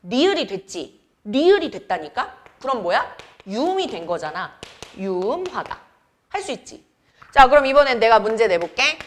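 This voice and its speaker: A young woman teaching a grammar lesson to students in a chatty way, quizzing them with quick questions. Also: on the high side, sing-song, slight background noise. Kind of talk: classroom lecture.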